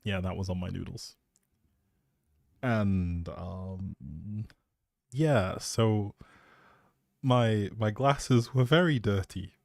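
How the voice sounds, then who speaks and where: A man's voice: fairly low pitch, very slow, creaky, pauses often, darkish tone, dry recording. A man chatting casually as a live streamer, rambling in a playful, self-deprecating way into a close microphone.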